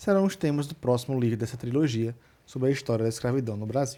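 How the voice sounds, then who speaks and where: The voice has a dark, mellow tone and ordinary pitch variation, on a very clean recording with a silent background. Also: man. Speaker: audiobook narrator. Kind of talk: reading aloud; casual chat. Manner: stutter.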